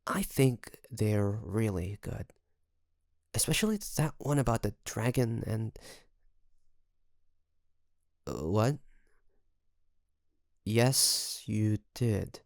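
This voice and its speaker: A man playing a secretly obsessive best friend in an intimate audio roleplay, coaxing and hesitant, with sighs and pauses. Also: lowish voice, lively intonation, gravelly, no echo, clean studio sound, full character voice. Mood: casual, coaxing.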